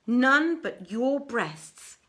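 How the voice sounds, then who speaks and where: A woman voicing an anxious, flattering male jeweler in a storybook, speaking earnestly in ornate old-fashioned phrases. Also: fairly high pitch, drawn-out words, voice pushed up, exaggerated voice. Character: frightened, flattering male jeweler telling his ordeal.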